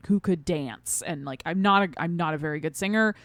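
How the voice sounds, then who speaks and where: A woman's voice: lowish voice, a little fast, no room sound. A woman co-hosting a podcast, chatting casually in a playful, teasing way. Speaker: podcast co-host. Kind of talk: casual conversational chat.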